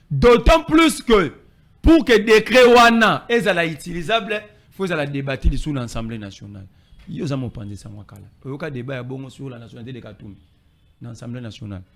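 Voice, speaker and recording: A man's voice: fairly high pitch, a bit bright. A man with a Congolese French accent, arguing politics emphatically in a street debate. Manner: emphatic, code-switching, argumentative. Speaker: political commentator.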